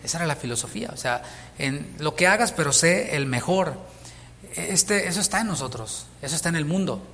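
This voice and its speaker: A man's voice: on the high side, expressive, fairly quick, pushed and bright, big-room sound. A Mexican man preaching a sermon as pastor, speaking conversationally and asking his listeners questions. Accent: Mexican Spanish. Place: church sanctuary.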